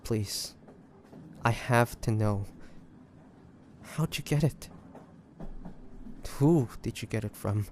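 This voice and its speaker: A man playing an earnest, guilt-ridden demon hunter in an audio roleplay, speaking gently and haltingly to the listener. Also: mid-range voice, a little hiss or hum, close to an everyday voice. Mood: tense, pleading. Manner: hesitant, halting, soft-hearted delivery with pauses. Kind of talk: dramatic audio roleplay acting addressed to the listener.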